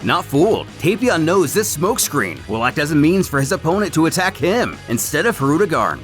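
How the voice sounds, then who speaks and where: A man's voice: fairly high pitch, sing-song, a little fast, a bit bright. Man, scripted recap narration, very varied intonation, background music. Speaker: narrator of a fan comic series. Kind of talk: scripted story recap narration with acted quotes.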